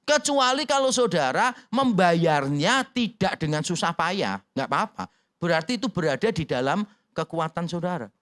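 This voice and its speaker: A pastor in a church delivers a sermon with a high, light voice. He keeps it humorous, slipping into little acted dialogues with playful voices. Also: animated, moderate pace, a bit bright.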